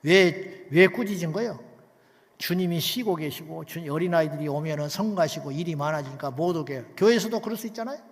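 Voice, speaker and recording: A man with a high-set voice delivers a sermon as a pastor, pushing hard on key lines and pulling back to a hush. His words ring out with a long tail of reverb, as in a large church sanctuary. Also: brisk. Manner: emphatic, swings from hushed to loud, rhetorical questions.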